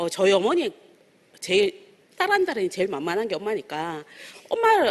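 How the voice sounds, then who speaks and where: In a Daegu accent, a woman speaks at a moderate pace with very wide pitch swings. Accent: Gyeongsang (Daegu) dialect. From Daegu, South Korea. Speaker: network marketing business leader. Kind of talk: business presentation with personal story.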